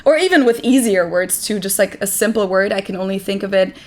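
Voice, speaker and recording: A woman's voice: mid-range voice, fairly quick. A woman in her twenties from Germany with a German accent, a native German speaker, chatting casually as an interview guest with plenty of "like" fillers. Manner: relaxed, chatty, lots of "like" fillers and light laughs. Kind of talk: casual chat.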